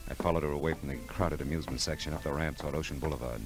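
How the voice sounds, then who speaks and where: An actor playing a cool, laconic hard-boiled private detective with wry delivery in a 1940s radio drama. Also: male voice, very deep voice, fairly even intonation, very fast. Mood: brooding narration. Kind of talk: 1940s radio drama acting and noir narration. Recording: old radio recording, music behind.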